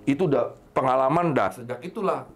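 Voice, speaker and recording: A man hosting a podcast, telling a story in casual chat and acting out his friends in sudden high voices. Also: quick pace, faint music behind. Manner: animated, jumps up high when acting out friends.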